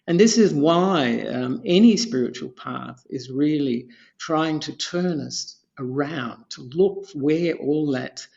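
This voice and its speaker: An Australian Buddhist monk in his seventies, giving an unhurried teaching talk as a podcast guest, rambling and repeating phrases with soft chuckles. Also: fairly high pitch, gravelly, lo-fi sound. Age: 70s.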